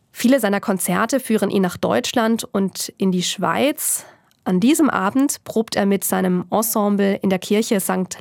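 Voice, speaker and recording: A woman journalist reading scripted documentary narration in a calm, measured storytelling manner. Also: mid-range voice, gravelly.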